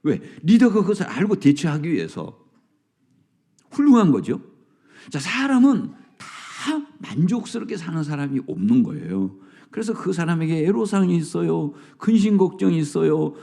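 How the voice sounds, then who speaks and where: A male pastor preaching a sermon at an early morning prayer service, dramatic, dropping to whispers and rising to loud lines. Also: on the high side, sing-song, normal speed, vocal fry.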